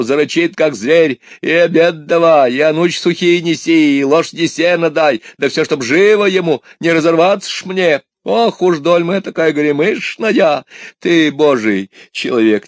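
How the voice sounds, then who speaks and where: A plaintive peasant wife from an old folk tale, raised high and pushed out loud as she pours out her woes, put on by a male storyteller. Her pleas climb and fall in lively swings. The voice sits close and dry, with no room around it. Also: no room sound. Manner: lamenting, pleading.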